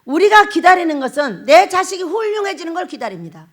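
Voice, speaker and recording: A middle-aged woman pastor preaching a sermon in an animated way, laughing often and putting questions to the congregation. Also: extremely high pitch, a little fast.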